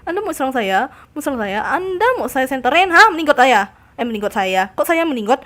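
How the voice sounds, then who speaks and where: A high-pitched young woman commentates a live game stream. She talks casually to her chat, squeals and shrieks when startled, and taunts the enemies in a mock-tough voice. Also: big pitch swings, a little fast, fairly bright tone.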